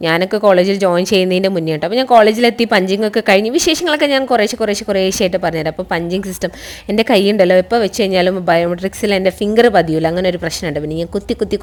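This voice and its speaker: A woman with a Kerala accent narrating a casual, chatty vlog, mixing English words into her Malayalam. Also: medium pitch. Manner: chatty, addresses viewers with frequent tag words. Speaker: college teacher and vlogger.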